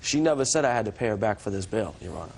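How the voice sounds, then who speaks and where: A man's voice: lowish voice, big pitch swings, very fast, vocal fry. A young man testifying as a defendant in court, deferential yet insistent as he answers the judge. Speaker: defendant in small claims court.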